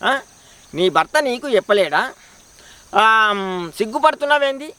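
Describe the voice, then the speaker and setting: Brief: pushy, coaxing village man from Telangana, voiced by a man, high and bright. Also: sing-song, measured pace, no echo, heavily acted. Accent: Telangana Telugu.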